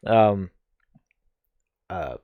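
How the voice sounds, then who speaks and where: Co-host, man, lowish dry voice, halting read. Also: no room sound, phone-quality sound. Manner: halting reader, stumbles over sentences. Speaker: podcast co-host. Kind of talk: reading notes aloud in casual chat.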